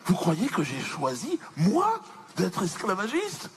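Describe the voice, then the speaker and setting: A man's voice: high-pitched, huge pitch swings, slow pace, heavily acted. A man performing punchy stand-up as a pompous, self-pitying slave owner from the colonial past, theatrical, indignant and mock-dignified. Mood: aggrieved, pompous. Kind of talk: punchy stand-up comedy character monologue. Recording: noisy live theatre stage recording.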